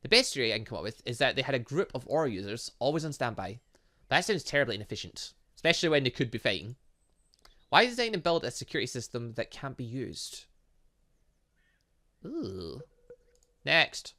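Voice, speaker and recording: Speaking a little fast but pausing often, a man with a medium-pitched voice voices visual novel lines as a gaming host. He's lively and playful, interjecting his own quips and reactions between the dialogue.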